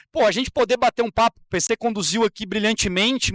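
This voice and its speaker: On a very clean recording with a silent background and a dry, close sound with no echo, a man with a Paulista accent speaks at an extremely high pitch. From São Paulo state, Brazil. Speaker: panel speaker on innovation and public policy. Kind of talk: closing remarks on stage.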